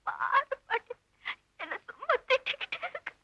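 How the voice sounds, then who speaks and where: A woman's voice: extremely high pitch, sing-song, moderate pace, bright, forceful tone, dry recording, full character voice, poor audio. An actress playing a grown young woman with a childlike mind, whining and complaining to her grandmother in a 1980s film. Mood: sulky.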